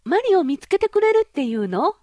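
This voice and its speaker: A spoiled young princess with a high, girlish voice, pleading one moment and haughty the next, as a woman narrator puts her on. She sounds like a character from a storybook audiobook, set in a dry, close room with no echo. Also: very animated, brisk, mellow. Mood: eager. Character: pampered young princess, tearful and petulant.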